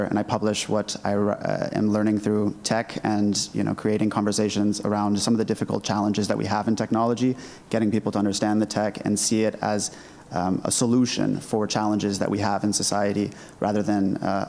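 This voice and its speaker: A man from California who founds and invests in startups, introducing himself on a conference panel in a measured way. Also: lowish voice, vocal fry. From California, United States. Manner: measured, even, with some hesitations.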